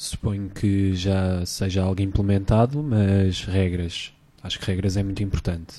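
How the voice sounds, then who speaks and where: Fairly slow and fairly even in intonation, a man speaks at fairly low pitch with a dark, mellow tone. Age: 20s. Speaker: university student. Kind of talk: student debate.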